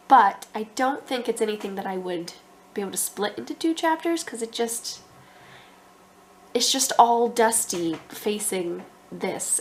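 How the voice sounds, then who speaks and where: A woman's voice: medium pitch, vocal fry, a little hiss or hum. A young adult woman with a stuffy, congested voice, talking casually about her writing and thinking aloud with lots of ums. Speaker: author vlogger.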